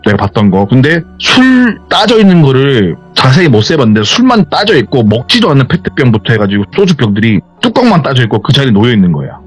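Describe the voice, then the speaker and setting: Male horror-radio host, chatty spooky storytelling, swinging pitch. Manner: lively, chatty storytelling with hearsay endings. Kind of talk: retelling a viewer's ghost story.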